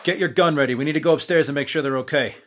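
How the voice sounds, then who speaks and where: A man's voice: a little high, very fast, heavy background noise, lightly acted. A man voicing Adam, a young man who leads the group with a wry, commanding manner, in an amateur audio drama. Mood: urgent. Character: young man Adam, leader of a monster hunt.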